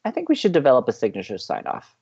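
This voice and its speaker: A man playing an excitable, idealistic young campus radio co-host in an audio drama, with a playful, opinionated way of bantering. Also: medium pitch, fast talker, creaky, husky, highs cut off, heavily acted. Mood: eager, teasing.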